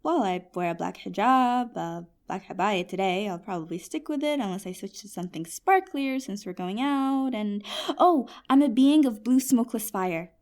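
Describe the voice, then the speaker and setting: A woman's voice: medium pitch, lively intonation, moderate pace, hardly any pauses, a little mellow, lightly acted. A woman playing a kind, earnest, persuasive djinnia in a fantasy comedy audio drama. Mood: friendly. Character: Peri, kind, earnest young djinnia of smokeless fire.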